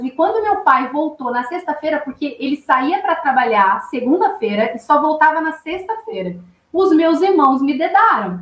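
The intonation is lively. The pace is moderate. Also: woman. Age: 30s. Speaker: psychologist and coach. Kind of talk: interview.

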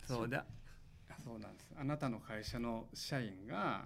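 There is audible room echo around this voice. A man speaks at a medium pitch and a fairly slow pace. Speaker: startup CEO. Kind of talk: interview.

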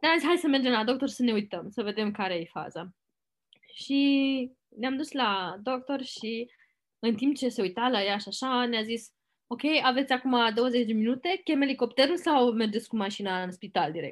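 A woman's high-pitched voice with lively intonation, on a very clean recording with a silent background. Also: moderate pace. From Romania. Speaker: life and business coach. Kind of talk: interview, personal story. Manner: animated.

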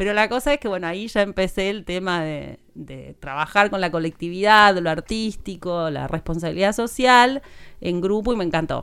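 A woman with an unremarkable speaking voice talks at a medium pitch and a moderate pace, varying her pitch in an ordinary way, on a very clean recording with a silent background. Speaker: human rights activist and artist, daughter of a dictatorship survivor. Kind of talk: interview.

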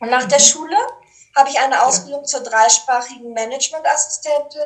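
Her pace is moderate and her intonation lively. The woman speaks at a high pitch. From Germany. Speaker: German teacher. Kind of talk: casual interview.

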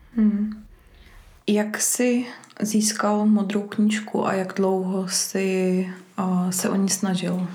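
Very slowly and in a monotone, flat intonation, a woman at a medium pitch talks with long, frequent pauses, very even loudness, audible room echo and noticeable background noise. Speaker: podcast host. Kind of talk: interview.

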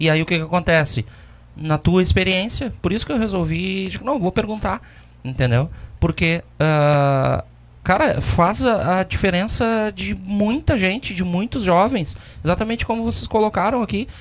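Using lively intonation, a man with a high pitch speaks at a fairly slow pace. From Alvorada, Rio Grande do Sul, Brazil. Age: 40s. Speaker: local community member. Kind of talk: casual chat. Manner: halting.

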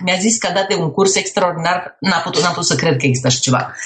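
A woman races through her words at a very fast pace amid noticeable background noise. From Romania. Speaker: course instructor and entrepreneur. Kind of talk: interview. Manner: halting.

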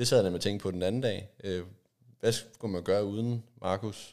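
A man's fairly low voice at a moderate pace with ordinary pitch variation, in a very clean recording with a silent background. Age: 20s. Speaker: schoolteacher. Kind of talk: casual chat. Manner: hesitant, many fillers.

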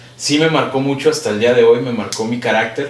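Noticeable background noise fills the clip, and audible room echo hangs around the voice. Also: man. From Mexico, León, Guanajuato. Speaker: YouTuber. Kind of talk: casual chat.

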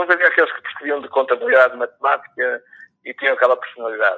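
A man talks very fast with big swings in loudness. The sound is dry and close, with no echo. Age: 40s. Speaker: caller. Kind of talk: casual chat. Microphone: phone held to studio microphone.

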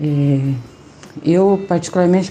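Amid noticeable background noise, a woman talks very slowly at a fairly low pitch with ordinary pitch variation. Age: 40s. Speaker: person with Parkinson's, group member. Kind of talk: casual group chat. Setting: online group call.

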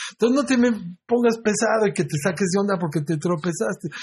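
This voice has a Mexican accent and ordinary pitch variation. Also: man. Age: 60s. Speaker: guitarist and music teacher. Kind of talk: casual interview chat.

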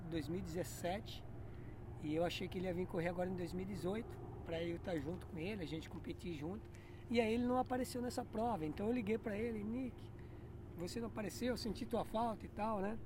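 There is audible room echo around this man's voice. His intonation is lively, broken by long, frequent pauses. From Brazil, interior of Bahia. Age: 40s. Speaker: marathon runner. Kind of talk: interview. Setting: outdoors.

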